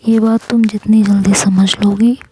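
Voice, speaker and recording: A woman's voice: medium pitch, level tone, moderate pace, warm tone, breathy edge, no room sound, rough recording. A woman voicing an exasperated young woman who pleads to be left alone by her ex. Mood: exasperated pleading. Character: young woman pushing away a clingy ex, exasperated.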